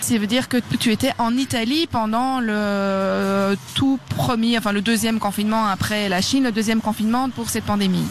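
A woman's voice: fairly high pitch, fairly even intonation, normal speed, few pauses, noisy background. A woman radio host introducing a segment and asking interview questions in a friendly way.

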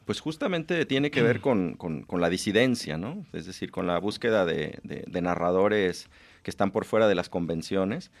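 A man's voice: sits low, animated, normal speed, gravelly. A man from Mexico whose accent mixes Mexican and Spain Spanish, a guest on a radio show, explaining his ideas at length with self-deprecating humor. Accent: Mexican mixed with Spain. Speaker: radio guest, writing workshop teacher. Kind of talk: radio interview. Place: radio studio.

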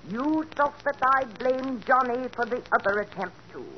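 A woman's voice: high-pitched, moderate pace, close to an everyday voice. An actress playing a frail, trusting elderly woman in a wheelchair, tremulous and pleading, in 1940s radio acting on a dull old recording with hiss. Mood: shocked. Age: older.

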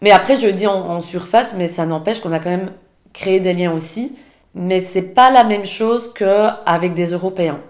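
A woman's voice: fairly low pitch, moderate pace, darkish tone. A woman from Belgium, a podcast guest, talking casually and hesitantly with many restarts. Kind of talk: casual conversation. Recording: roomy echo.

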